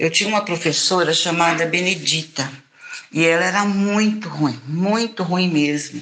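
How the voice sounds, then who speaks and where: A woman at a medium pitch, fairly slow pace, and ordinary pitch variation, with noticeable background noise. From São Paulo state, Brazil. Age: 70s. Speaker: mother and grandmother telling childhood story. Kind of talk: personal storytelling.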